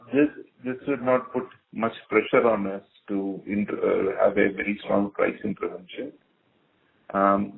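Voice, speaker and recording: A man answering as a company executive on an earnings call, choosing words haltingly and deliberately over a phone line. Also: on the low side, gravelly, husky. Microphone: conference call phone line. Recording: narrow phone-like conference line.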